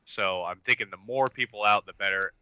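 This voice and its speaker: A man playing a polite, earnest team member who speaks deliberately and courteously, pausing as he presses for action. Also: on the low side, sharp tone, clear, resonant tone, no echo, highs cut off. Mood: earnest, urgent.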